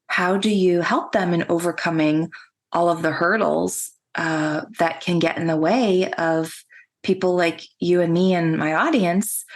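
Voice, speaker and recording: A woman podcast host with a very soft voice, speaking slowly and pausing between thoughts in a casual interview. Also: fairly low pitch, gravelly.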